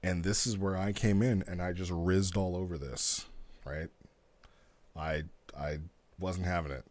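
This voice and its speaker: A man giving casual, explanatory commentary as a streamer, talking through a story in an animated way. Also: low-pitched, a little slow, no room sound. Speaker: streamer reviewing roleplay stories.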